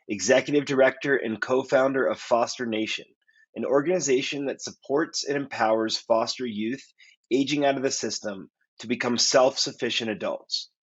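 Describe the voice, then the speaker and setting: A man hosting a podcast, reading a scripted intro and asking questions in a measured, courteous way. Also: mid-range voice, breathy edge, lo-fi sound. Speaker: podcast host.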